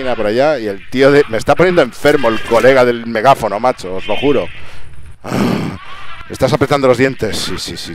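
A young man from Spain commentating his live gameplay, excitable and swearing, talking to viewers and to the game. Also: on the low side. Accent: Spain Spanish. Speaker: gaming streamer. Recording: loud background game noise.

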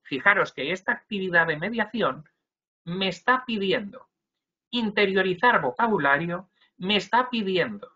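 A man's voice: sits high, sharp tone. A young man teaching other teachers in a webinar, explaining slide by slide and dotting his talk with "ujú" and "eh". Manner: explanatory, with frequent "ujú" and "eh" fillers. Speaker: Spanish language teacher trainer. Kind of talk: webinar lecture. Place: indoor room. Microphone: video call webcam. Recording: dull lo-fi video call audio.

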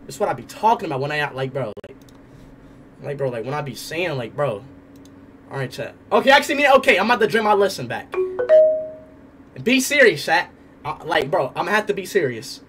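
A man's voice: fairly high pitch, very animated, brisk, pauses often, over music. Hesitant young man repeating himself. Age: young adult. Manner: hesitant, repeats words over and over. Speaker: livestreamer. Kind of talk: casual livestream chat. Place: indoor room. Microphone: headset.

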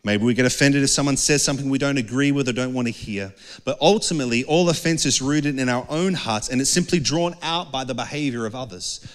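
Speaking briskly in a mid-range voice, a middle-aged Australian man preaches as a pastor on a dark indoor stage with a couch. He holds a handheld mic and keeps his sermon conversational and earnest, frequently quizzing the crowd, while long hall reverb fills the sound.

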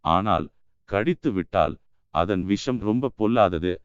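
A man's voice: deep voice, animated, unhurried, clean tone, highs cut off. Sly menacing monk, read by a man. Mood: grave, warning. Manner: mocking, then grave and commanding.

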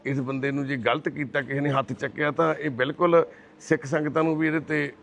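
A man's voice: fairly high pitch, steady tone, a little fast, vocal fry, fairly bright tone, a little hiss or hum. A man reporting in a street interview, talking in a pleading way and calling people brother and mother.

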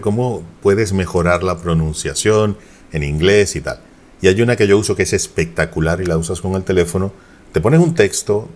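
Low-voiced guy rambling fast about an app he likes, casual vlog talk. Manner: lively, chatty, quick bursts with laughs. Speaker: tech YouTuber. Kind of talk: casual sponsored app demo.

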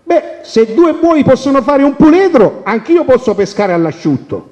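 A quick-witted peasant farmer gives cheeky answers in a high, lively voice, as a male storyteller does him. His tone is mellow, and it comes through a dull radio recording with a long reverb. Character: cunning humble peasant farmer, a man.

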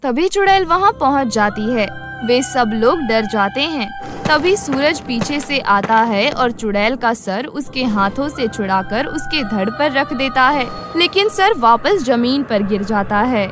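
A woman narrates a scripted horror cartoon story. Her voice is notably high in pitch. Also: expressive, a little slow, music in the background.

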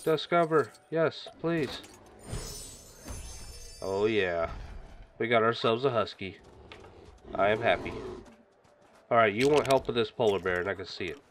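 A man hosting a gaming channel, chatting casually and reacting excitedly as he plays, sniffling from a stuffy nose. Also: lowish voice, a little slow, pauses often, slight background noise. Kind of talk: casual game commentary.

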